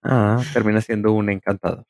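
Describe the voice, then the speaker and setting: A man's voice: on the low side, flat delivery, a little fast, gravelly, a little mellow, dry recording, clean studio sound. A man with a Mexican Spanish accent, chatting casually as a podcast co-host with a teasing, jokey manner. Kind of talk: casual chat.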